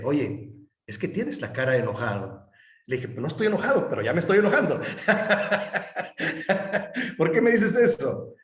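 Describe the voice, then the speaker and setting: A middle-aged man, a pastor teaching a class and telling personal stories in a candid, conversational way. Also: mid-range voice. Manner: conversational and candid, with fillers and chuckles. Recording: roomy echo.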